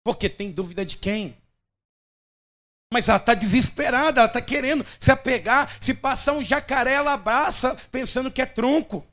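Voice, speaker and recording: Brief: man, pastor, dramatic sermon delivery, voice sits high. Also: normal speed, bright, forceful tone. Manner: emphatic, dramatic preaching.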